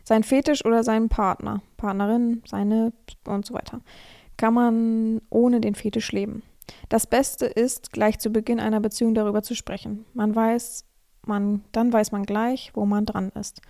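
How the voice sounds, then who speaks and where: Hoarse woman podcast host, fairly high but warm, mellow voice, frank and direct, reads a letter aloud. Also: little pitch movement, unhurried. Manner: frank, advising listeners directly. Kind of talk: casual podcast monologue, reading a listener's letter aloud.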